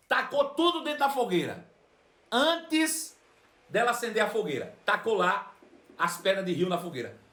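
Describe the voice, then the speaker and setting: A man with a Brazilian accent preaching a sermon, telling a personal story in an animated way and repeating phrases for emphasis. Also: high-pitched, reverberant. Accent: Brazilian Portuguese.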